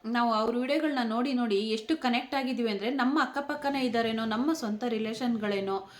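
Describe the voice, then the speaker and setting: A woman's voice: fairly high pitch, fast. A woman speaking in an emotional tribute vlog, tearful and pleading, repeating herself. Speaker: vlogger.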